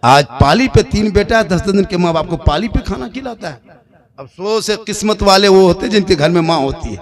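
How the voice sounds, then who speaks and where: A male preacher with an exceptionally high-pitched voice delivers an impassioned sermon. He tells stories emotionally, slipping into sung lines and rising to shouts at the peaks. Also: expressive, brisk, crowd noise. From Jharkhand, India. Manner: emotional storytelling with sung passages and shouted climaxes.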